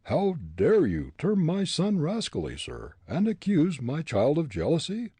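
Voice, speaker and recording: A man's voice: mid-range voice, wildly swooping pitch, normal speed, warm tone, husky, no room sound, voice pushed up, heavily acted. A man voicing a stern, blustering male smuggler captain who makes demands and accusations. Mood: accusing.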